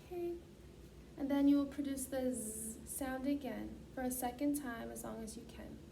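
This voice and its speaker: High-voiced woman, distant noisy recording. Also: moderate pace, mellow. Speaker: student clinician giving a voice assessment. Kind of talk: scripted clinical instructions. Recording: distant mic, clearly noisy.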